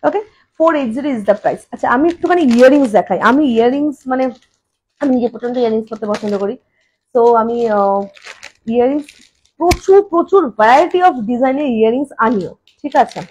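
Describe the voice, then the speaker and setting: A woman selling jewellery on a live stream. She says each price slowly and more than once, and chats quickly in between. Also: high-pitched, lively intonation, darkish tone, slight background noise, low-quality recording. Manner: repeats prices slowly, then chats fast in bursts. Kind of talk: live-stream sales talk. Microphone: phone camera.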